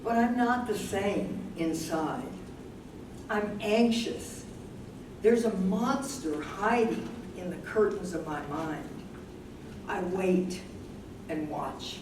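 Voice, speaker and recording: A woman playing an anxious, gentle wife with failing memory, speaking confessionally in a staged reading. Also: fairly low pitch, takes it slowly. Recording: echoey distant stage recording, clear noise.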